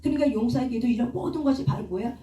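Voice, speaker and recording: A woman's voice: a little high, racing, dark tone, slight background noise. Woman preaching in an echoey room. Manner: asks the congregation questions, leads call-and-response. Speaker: prayer meeting leader. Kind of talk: sermon. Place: church prayer room. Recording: echoey room, far from the mic.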